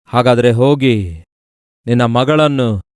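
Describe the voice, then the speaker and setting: A man's voice: medium pitch, takes it slowly, darkish tone, clean tone, no echo, studio quality, close to an everyday voice. A male preacher voicing a doctor who bluntly gives his friend bad news.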